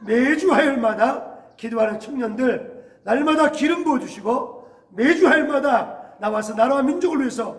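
A man, a pastor, giving a church announcement and prayer over a PA system in a preachy way with frequent drawn-out "ah" fillers. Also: very high voice. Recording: echoey church hall with music.

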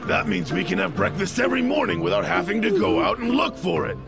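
A man voicing a big, wary but game older-brother bear in a cartoon, with exaggerated, expressive delivery. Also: high voice, quick pace, creaky, full character voice. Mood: eager. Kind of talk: animated cartoon dub acting. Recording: music under the voice.

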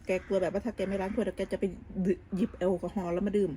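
A woman chats in a gossipy, rambling way, often starting over mid-sentence. Her voice is mellow and soft-edged. Faint clinking of dishes and pans sits behind her in a home kitchen. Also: mid-range voice, flat delivery, very fast, a little hiss or hum. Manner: gossipy, talks with many restarts and fillers. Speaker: vlogger. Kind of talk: casual chatty storytelling.

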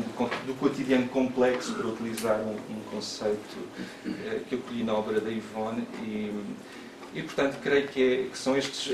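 A man's voice: mid-range voice, far from the mic. A man, introducing a guest speaker in a seminar room, hesitant with many fillers. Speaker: event moderator. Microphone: far room camera. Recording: echoey room from afar, background noise.

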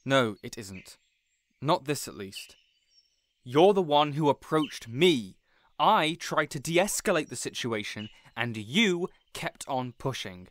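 A man playing a weary, reasonable young supervillain boss in a scripted audio roleplay, hesitant yet measured and exasperated. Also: medium pitch, very animated. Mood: exasperated, firm.

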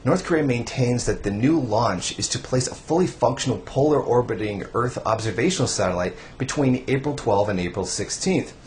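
A young man reading scripted political news commentary in a formal, measured newsreader manner. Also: mid-range voice. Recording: faint background noise.

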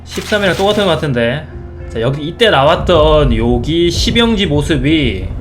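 Higher-voiced male game streamer, casual. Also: sing-song, moderate pace. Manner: reacts aloud, asks himself questions. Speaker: mobile game streamer, host. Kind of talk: casual gameplay commentary. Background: game music.

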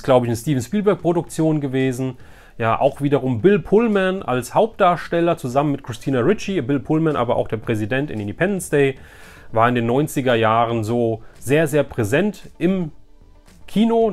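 A man's voice: medium pitch, a little mellow. A man presenting as a toy collector in a casual, enthusiastic, rambling chat to viewers. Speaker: toy collector, video host.

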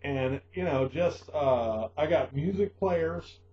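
A middle-aged man hosting a casual news lesson for English learners, joking sarcastically and pausing to explain words. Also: a little high, dark tone, roomy sound. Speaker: host of an online English lesson show. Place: small room at a desk. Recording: muffled, noisy webcam audio with hum.

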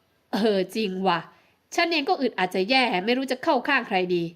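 A woman's voice: on the high side, big pitch swings, fairly quick, a bit bright. A woman reading a romance audiobook, voicing a young man gossiping with a friend in blunt, slangy banter. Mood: musing. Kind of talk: audiobook romance novel acting.

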